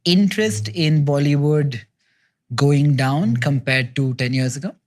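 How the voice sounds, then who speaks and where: A man hosting a podcast, asking casual interview questions in a slow, easygoing way. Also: fairly high pitch. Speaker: podcast host. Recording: loud background noise.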